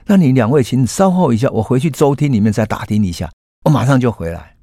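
A man voicing a flustered middle-aged Japanese police officer, asking alarmed questions quickly. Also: medium pitch, lively intonation, dark tone, no echo, studio quality, voice pushed up. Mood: hurried.

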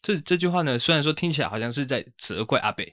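A man's voice: medium pitch, expressive, quick pace, sharp tone, no room sound, clean studio sound. A young man co-hosting a podcast, telling stories in casual chat with mock outrage and free swearing. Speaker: podcast co-host.

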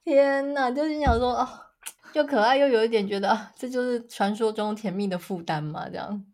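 A woman, co-hosting a casual chat podcast and telling stories in a lively way. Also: fairly quick. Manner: animated storyteller, acts out quotes with big pitch jumps. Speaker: podcast co-host.

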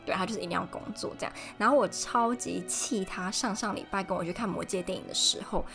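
Casting: young woman, mid-pitched voice, casual chatty solo podcast host. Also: fast, soft background music. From Taiwan. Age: young adult. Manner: chatty, animated storytelling. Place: home.

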